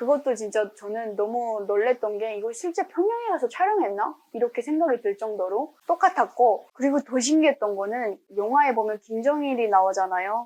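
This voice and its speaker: Dark, mellow tone with lively intonation, at a moderate pace with hardly any pauses. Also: woman, fairly high pitch for a woman. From Pyongyang, North Korea. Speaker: North Korean defector. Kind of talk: casual talk to camera.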